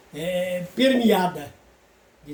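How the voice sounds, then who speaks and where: With audible room echo and noticeable background noise, a man talks in a high pitch with ordinary pitch variation. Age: 70s. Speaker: retired sports journalist. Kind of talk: interview. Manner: hesitant, many filler sounds.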